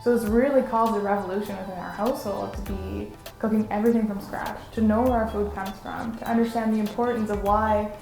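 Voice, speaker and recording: A woman's voice: medium pitch, fairly even intonation, a little fast, creaky, few pauses, darkish tone, echoey room, faint music behind, rough recording. A woman speaking thoughtfully in a documentary interview about food and her collective. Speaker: collective co-founder.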